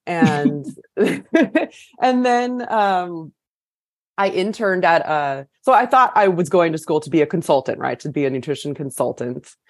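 A woman's voice: low-pitched, lively intonation, unhurried, dry recording, studio quality. A woman from California, a chef and author, telling her story in a casual interview, chatty, with lots of fillers and restarts.

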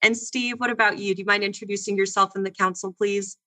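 Upbeat lady running a panel, bright voice, keeps it moving. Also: medium pitch, steady tone, quick pace. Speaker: panel moderator. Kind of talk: moderating a panel discussion.

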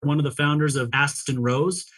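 A man's voice: on the high side, moderate pace, a bit bright. A man co-hosting a podcast, opening the show and questioning his guest in a friendly, wordy manner. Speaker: podcast co-host.

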